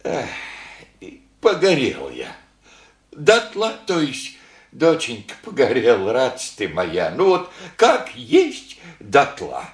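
A slow, folksy old village father. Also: medium pitch, huge pitch swings, echoey room. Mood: mournful. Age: older. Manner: folksy rural speech, slow and rambling, sighing. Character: old village widower, gentle, grieving, folksy. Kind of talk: radio play acting.

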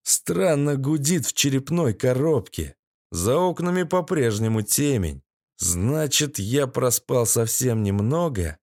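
Male audiobook narrator, sardonic gritty read, mid-pitched, dead-dry studio sound. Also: lively intonation, slow pace, a little mellow, no echo. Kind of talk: first-person audiobook narration.

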